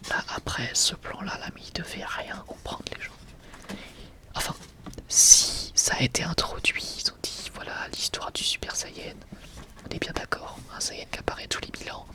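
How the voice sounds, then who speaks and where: Whispering young man, ASMR. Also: normal speed. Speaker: ASMR video creator presenting a manga collection.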